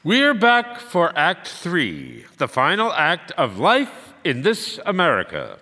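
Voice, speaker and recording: An actor playing a fumbling radio-show host, with a hesitant way of talking. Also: male voice, fairly high pitch, wildly swooping pitch, takes it slowly, pushed and bright, long reverb tail, exaggerated voice. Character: awkward adult male radio-show host.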